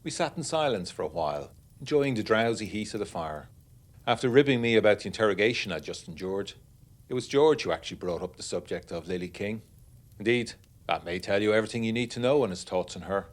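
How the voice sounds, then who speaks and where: A man's voice: on the low side, lively intonation, brisk, lightly acted. An actor playing a genteel, uneasy young war veteran narrating his letters in a literary, wryly confiding way for a gothic period audiodrama.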